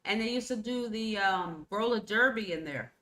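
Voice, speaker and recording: A woman in her fifties from New York, co-hosting a casual interview, chatty and quick to chime in. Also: medium pitch, a crowd in the background. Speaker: podcast co-host.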